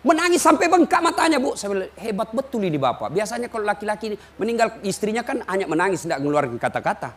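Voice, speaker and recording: A man preaching a humorous sermon, telling stories with mimicked voices and lively rising questions. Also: high voice, racing, hardly any pauses, slight background noise. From Indonesia.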